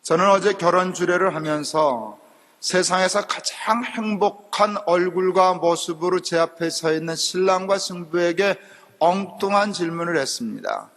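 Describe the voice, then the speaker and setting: Pastor preaching in an echoing hall. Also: male voice, normal speed, fairly bright tone. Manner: conversational storytelling, acts out quotes in a low voice. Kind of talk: sermon. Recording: long reverb of a church hall.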